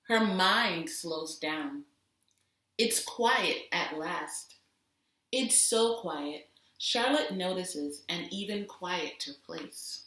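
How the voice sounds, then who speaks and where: Bright-voiced woman reading slowly, echoey room. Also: fairly low pitch, expressive. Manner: deliberate, dramatic emphasis on sound words. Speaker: teacher reading aloud to children. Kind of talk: expressive slow storybook read-aloud. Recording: roomy echo, distant microphone.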